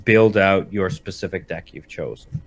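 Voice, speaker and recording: A man with a fairly low voice talks casually about games. He hosts in an explanatory, halting way, often reworking his sentences as he goes. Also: slightly rough.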